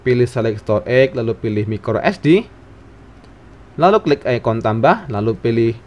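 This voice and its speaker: A man's voice: medium pitch, lively intonation, moderate pace, darkish tone. A man narrating a scripted tech tutorial, giving instructions phrase by phrase.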